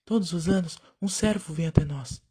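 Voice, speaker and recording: A woman's voice: lowish voice, moderate pace, mellow, husky. A woman playing a stern, devout older tribal leader in an audio drama, solemn and imperious in manner. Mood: solemn, insistent.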